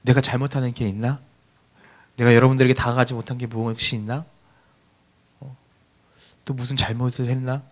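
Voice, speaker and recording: A man preaching a sermon as a youth pastor, earnest and pleading, often dropping to a soft hush, speaking in a church hall. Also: mid-range voice, level tone, fairly quick, long pauses.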